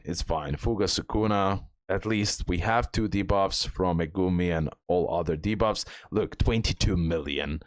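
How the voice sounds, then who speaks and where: Low-voiced man giving game commentary. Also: dry recording. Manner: repeats phrases for emphasis. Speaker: gaming guide creator. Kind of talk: casual game walkthrough commentary.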